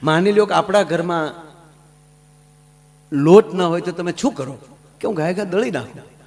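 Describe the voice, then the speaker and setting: A man telling folk comedy stories on stage, swinging from hushed asides to loud declaiming. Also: high voice, normal speed. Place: stage at a religious gathering.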